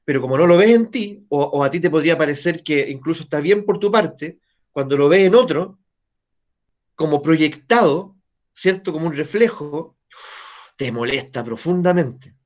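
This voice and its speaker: A man with a Chilean Spanish accent lectures to a class online, keeping things conversational and stopping often to check that his students follow. His voice sits a little high for a man. The sound is dull and lo-fi, as over a video call. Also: expressive, normal speed. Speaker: teacher.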